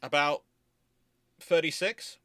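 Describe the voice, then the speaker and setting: A man hosts a livestream answering naval history questions, explaining things casually in an emphatic, rambling way. His voice is on the high side, fairly bright and steady, and he speaks slowly. The recording is dry.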